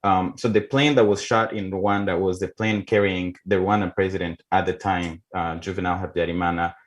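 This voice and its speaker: A man hosting an interview show, speaking in deliberate, halting phrases and explaining things for the audience. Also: deep voice, steady tone. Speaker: talk show host.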